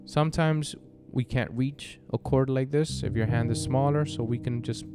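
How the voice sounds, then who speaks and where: A man giving a casual piano lesson, explaining step by step in a halting way with frequent check-ins. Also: mid-range voice. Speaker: piano tutor. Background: piano chords played alongside the voice.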